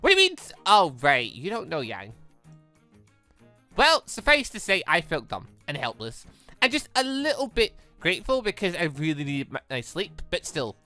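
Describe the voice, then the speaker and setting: A host acts out an overtired young girl inventor from a visual novel, gushing and exasperated. The voice is bright and jumps around in pitch, boastful one moment and frayed the next. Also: huge pitch swings, normal speed, faint music behind. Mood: indignant. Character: frazzled, sleep-deprived excitable young girl inventor.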